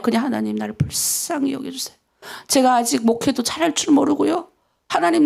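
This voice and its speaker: North korean lady pastor, high gravelly voice, emphatic dawn sermon, pleads prayers out loud. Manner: emphatic preaching, acting out tearful prayers.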